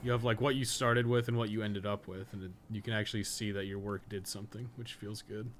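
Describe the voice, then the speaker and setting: Delivering flat, slightly fast commentary in a lowish voice, a streamer and podcast co-host rambles casually through live gameplay with some swearing. Slight background noise is audible.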